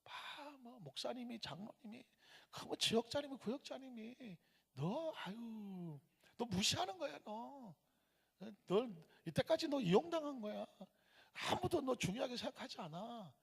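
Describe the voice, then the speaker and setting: A pastor putting on a hushed, taunting devil. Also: male voice, very high-pitched, big pitch swings, unhurried, creaky, husky, in a large hall, exaggerated voice. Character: sly whispering male devil, taunting and cold.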